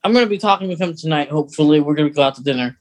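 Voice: medium pitch, very fast. A podcast co-host chatting casually about a radio drama, explaining things in a rambling, hesitant way.

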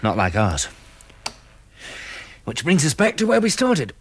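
An actor playing a wry, tender young man in a 1960s radio drama, teasing gently and expressively. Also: fairly high pitch, wildly swooping pitch, a little slow, breathy edge, heavily acted. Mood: grave. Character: wry, tender, worldly man facing catastrophe.

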